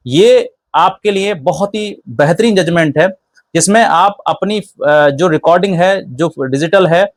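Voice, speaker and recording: A man's voice: high-pitched, a little slow, no echo. A man hosting an informal legal explainer, going step by step, often rephrasing himself and dropping in English legal terms. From India. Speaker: legal advice channel host.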